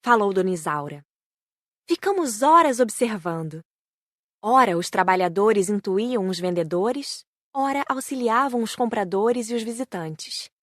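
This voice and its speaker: A woman's voice: mid-range voice, expressive, unhurried, no echo, clean studio sound. A woman with a Brazilian accent reading scripted narration for a spiritist audiobook.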